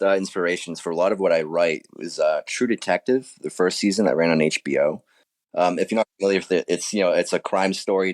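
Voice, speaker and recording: A man speaking casually as an author being interviewed, keen and reflective about his work. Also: low-pitched.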